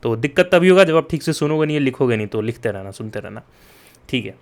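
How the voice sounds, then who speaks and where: A young man, a coding tutor, giving a casual spoken lesson. He talks to his students directly, checks in with them often, and explains slowly and deliberately. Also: mid-range voice, expressive. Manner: mixes Hindi and English, chatty with frequent "yaar" and "theek hai?"; addresses students directly and urges them to take notes.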